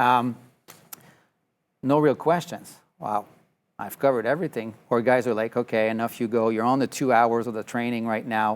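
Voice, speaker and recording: A man with a French-Canadian accent talks at a medium pitch, leaving long, frequent pauses. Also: fairly even intonation, moderate pace. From Quebec. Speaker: software trainer. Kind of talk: online training session. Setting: online webinar. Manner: halting, filler-heavy.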